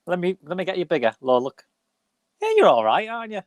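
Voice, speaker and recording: A man's voice: high-pitched, big pitch swings, quick pace, muffled recording. A man hosting a casual live-stream film chat over a video call, full of playful banter. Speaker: host.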